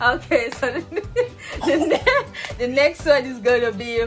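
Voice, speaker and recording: A woman with a Jamaican accent, faint music playing in the background. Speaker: language teacher. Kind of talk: casual talk to camera. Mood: playful, lots of laughing. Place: home room. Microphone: phone near.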